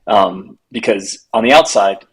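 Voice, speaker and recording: A man's voice: lowish voice, unhurried, a bit bright, husky, rough recording. A man raised in Latin America answering interview questions reflectively, building his points through rhetorical questions. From United States, raised in Latin America. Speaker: guest, culture consultant.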